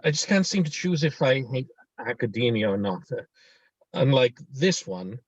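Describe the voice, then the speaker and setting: A man reads at normal speed with very animated, medium-pitched delivery and no room sound. He portrays a friendly, mock-menacing young Swede, earnest and sensitive, who hesitates and searches for words in a chatty table read captured on dull, lo-fi video-call audio.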